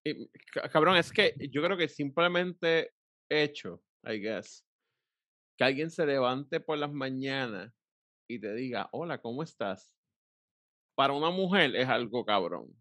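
A man's voice: mid-range voice, lively intonation, unhurried, sharp tone, no room sound. A man in his thirties in casual banter, wry and profane, swearing often. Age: 30s. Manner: wry, profane, keeps saying "cabrón".

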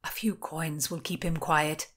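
A woman voicing a gallant nobleman lover who speaks in a soft, reassuring way. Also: on the high side, steady tone, unhurried, pitched below the performer's own voice. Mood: tender.

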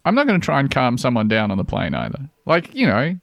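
A man co-hosting a podcast in casual chat, animated and quick with jokes. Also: medium pitch, creaky, dry recording. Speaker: podcast co-host.

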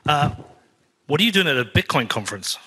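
English podcast host reading sponsor spots. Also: male voice, fairly high pitch, big pitch swings, a little fast, pushed and bright, slight background noise. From England. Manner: conversational, reads sponsor spots then asks questions. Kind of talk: ad reads and interview questions. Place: conference.

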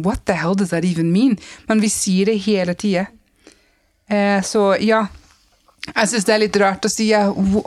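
A woman's voice: mid-range voice, no echo. A woman talking as a podcast guest, blunt and emphatic, switching between Norwegian and English mid-sentence. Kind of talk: casual podcast conversation.

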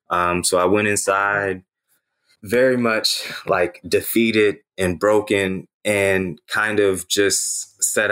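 A man in his thirties, a native Haitian Creole speaker, talks through his own past as an interview guest. His voice sits very low and deep. He speaks earnestly and reflectively, often pausing on "you know" as he gathers his thoughts. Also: fairly bright tone. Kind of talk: personal storytelling in an interview.

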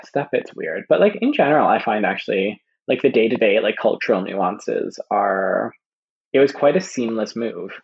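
Young canadian guy, low gravelly husky voice, rambly chat w/ tons of "like", kinda muffled lo-fi sound. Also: moderate pace. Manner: chatty, full of fillers, animated quoting. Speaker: guest. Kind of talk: casual chat.

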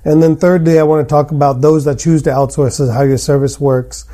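A man's voice: on the high side, little pitch movement, a little fast, mellow. A man hosting a podcast conversationally, with a blunt, opinionated way of talking. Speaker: podcast host, general dentist. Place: hotel room.

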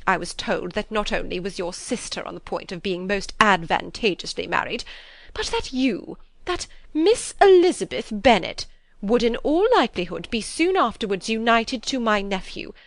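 A woman voicing a haughty, imperious older aristocratic lady who speaks stiffly and slowly. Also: medium pitch, expressive, fairly bright tone, no room sound. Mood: angry, imperious. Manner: stiff, slow and commanding.

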